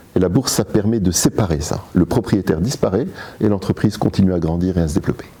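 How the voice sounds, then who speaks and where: With noticeable background noise behind him, a man talks at a fairly quick pace. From Morocco. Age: 60s. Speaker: entrepreneur. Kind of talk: interview.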